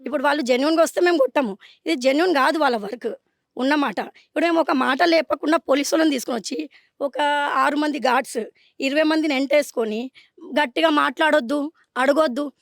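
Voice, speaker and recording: A woman with a Telangana accent speaks in a street interview, angry and demanding, her voice high and gravelly. She talks at a rapid clip, recorded close and dry. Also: no room sound. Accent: Telangana Telugu. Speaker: resident facing eviction.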